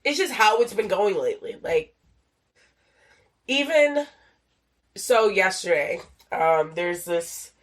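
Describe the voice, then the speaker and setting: A woman's voice: mid-range voice, very animated, slow pace, pauses often. A young adult woman hosting a casual solo podcast, rambling with lots of fillers and swearing, a little nasal and sniffly from a cold. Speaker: podcast host.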